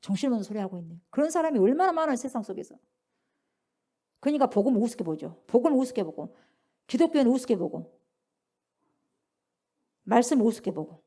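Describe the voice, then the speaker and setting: Animated woman pastor preaching. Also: on the high side, fast, pauses often. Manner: animated preaching, acting out prayers and pleas. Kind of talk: sermon.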